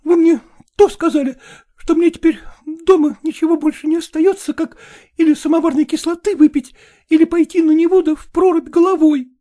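A woman's voice: very high voice, steady tone, a little fast, mellow, pitched above the performer's own voice. A man voicing a young married woman, desperate and pleading in tears, reading a storybook. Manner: pleading, insistent, tearful.

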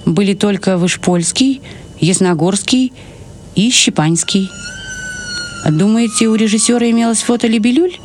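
A woman's voice: medium pitch, moderate pace, darkish tone, a little hiss or hum, lightly acted. An actress playing a hospitable, wistful old woman in a radio drama, reminiscing with old-fashioned courtesy. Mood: indignant, doubtful.

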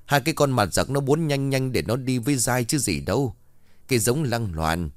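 A man voicing a furious, wailing old grandmother in a ghost story, cursing and shrill. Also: lively intonation, moderate pace, no echo, clean studio sound, natural voice.

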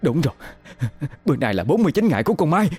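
A man doing a shrill wailing old mother. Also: very animated, rapid-fire, over loud music. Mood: frantic wailing. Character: sharp-tongued older mother, grieving and panicked.

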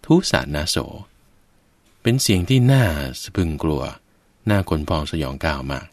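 Low-voiced man giving a Buddhist sermon. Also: big pitch swings, normal speed, no echo. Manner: addresses listeners as "ท่านผู้ฟัง", explains with everyday examples. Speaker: Buddhist preacher.

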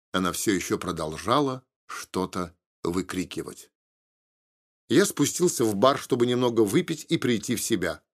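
A man reading a novel aloud in the first person, at a measured, even pace. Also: mid-range voice. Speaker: audiobook narrator. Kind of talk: first-person scripted narration.

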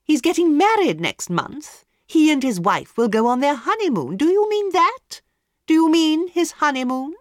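A woman voicing an imperious, demanding society lady who talks loudly and insistently. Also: wildly swooping pitch, unhurried, no room sound, clean studio sound. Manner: loud, demanding, shrill. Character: imperious society hostess, lady, middle-aged.

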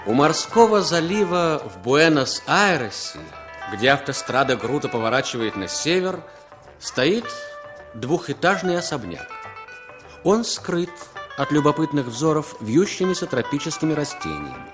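A man narrating the stage directions of an old radio drama in a measured, expressive reading. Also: on the high side. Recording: old radio play with music behind.

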